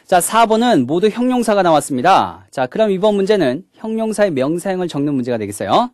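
A man's voice: high-pitched, sing-song, quick pace, darkish tone, no room sound, clean studio sound. A man giving a recorded English grammar lecture, walking through each point step by step and opening each one with a short "자". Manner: mixes English words into the explanation.

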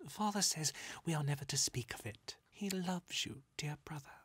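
A narrator voicing a frail ten-year-old girl in a storybook, breathy and sweet, with prim, adoring manners. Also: sits low, expressive, normal speed, no echo, voice pushed up. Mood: tender. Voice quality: breathy, whispery. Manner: sweet, formal, childlike.

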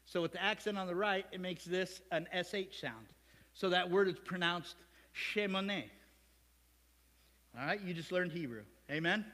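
A male pastor with an American Midwest accent preaches in a church sanctuary, his voice pitched high for a man. He is animated, cracking jokes and asides to the congregation. The sound carries a long hall reverb. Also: normal speed. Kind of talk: sermon.

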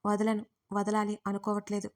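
A woman's voice: medium pitch, completely flat delivery, normal speed, a little mellow, lightly acted. A woman narrator voicing a young man, an insistent and pleading lover, in an audio story.

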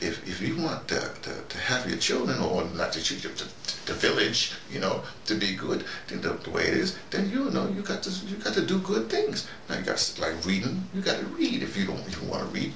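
A man's voice: mid-range voice, creaky, a bit bright. An older man delivers a rambling, folksy, preachy monologue, repeating phrases for emphasis. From United States. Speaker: vlogger, audio dramatist. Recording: roomy, distant mic, faint background noise.

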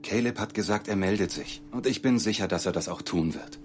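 Deep-voiced, supportive husband, played by an actor. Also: male voice, a little fast, slight background noise, natural voice. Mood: reassuring. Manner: gentle, reassuring. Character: caring husband and worried father, steady, supportive. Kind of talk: audio drama acting.

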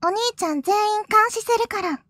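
Woman voicing a high, clingy yandere little sister. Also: a little fast, no room sound, clean studio sound. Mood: sweetly clingy. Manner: sweet and doting, turning jealous and menacing; drops into hushed whispers. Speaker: streamer. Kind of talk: live-stream character role-play, reacting to chat.

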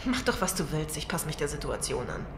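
A woman's voice: low-pitched, very animated, brisk. An actress playing a brazen, ambitious, scheming woman in a German audio drama, cynical and unashamed. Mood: cynical, defiant. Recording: echoey room, clear background noise.

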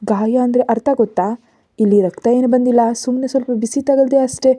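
A woman's voice: fairly high pitch, fairly even intonation, moderate pace, mellow, no echo, voice pushed up, lightly acted. A woman voicing a playful, bold young woman who teases and lightly scolds in a storybook reading. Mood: teasing.

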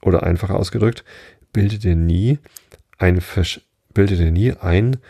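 A self-satisfied duchess who turns every remark into a moral, read by a man in a deep voice. She comes across as gravelly and dark-toned. The delivery is preachy and storybook-like. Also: a little slow, dry recording, clean studio sound, full character voice. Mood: smug. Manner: preachy, spins out tangled morals. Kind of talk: storybook reading.

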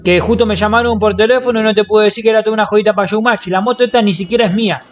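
A man's voice: high voice, fairly even intonation, very fast, muffled recording. An Argentine man streaming a roleplay game, improvising joking, cocky banter full of street slang. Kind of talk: improvised in-character banter, casual slangy chat.

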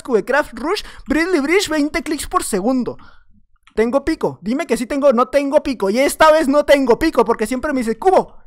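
A man with a Mexican accent giving playful, jokey gameplay commentary, swinging between loud excited outbursts and low mumbles. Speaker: gaming YouTuber.

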